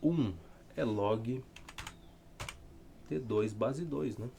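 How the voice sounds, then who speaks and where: A man's voice: mid-range voice, drawn-out words, vocal fry, mellow, slight background noise. A man with a southern Brazilian accent giving an informal, rambling math lesson, thinking aloud with dry, self-deprecating humour. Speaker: math tutor. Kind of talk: casual lesson, solving textbook problems aloud.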